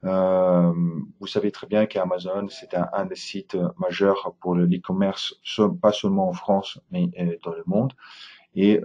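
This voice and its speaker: Italian guy presenting a webinar, low husky voice, lots of euhs, kinda muffled audio. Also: warm tone. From Italy. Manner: hesitant, many fillers and restarts.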